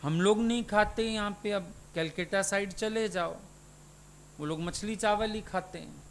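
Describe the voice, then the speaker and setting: A man's voice: high-pitched, measured pace, creaky, a little hiss or hum. A man, a spiritual teacher, giving a satsang sermon and putting questions to his listeners.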